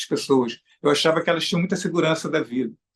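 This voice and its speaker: This man talks with ordinary pitch variation. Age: 60s. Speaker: singer-songwriter. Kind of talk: interview. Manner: halting, with frequent repetitions.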